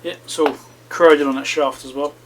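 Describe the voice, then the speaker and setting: A man's voice: a little high, steady tone, fairly quick, slight background noise, low-quality recording. A man hosting a repair video, casually talking himself through the work with chatty asides to viewers. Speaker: electronics repair channel host. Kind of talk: casual running commentary while repairing.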